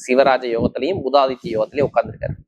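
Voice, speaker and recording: A man's voice: medium pitch, fairly even intonation, very fast, darkish tone, dull audio. Emphatic man giving horoscopes. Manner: emphatic, repetitive, listing points in short bursts. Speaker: astrologer presenting horoscope forecasts. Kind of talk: monthly horoscope talk to camera.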